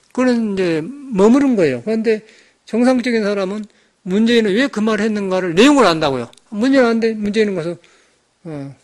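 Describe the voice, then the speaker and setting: Fast-talking high-voiced monk. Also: male voice. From Jeolla, South Korea. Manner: rambling, emphatic, conversational. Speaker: Buddhist monk. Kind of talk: dharma talk sermon.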